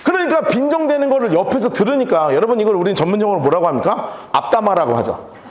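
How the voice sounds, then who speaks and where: A man preaching a sermon in a church, animated and playful as he acts out scenes. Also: high-pitched, fast. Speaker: pastor. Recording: echoey church hall.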